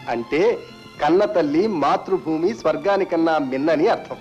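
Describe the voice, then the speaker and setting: A man's voice: fairly high pitch, a little slow, a little mellow, highs cut off, faint music behind, lightly acted. An actor playing a stern, protective father and hardworking manager, in 1960s film drama dialogue. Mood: firm.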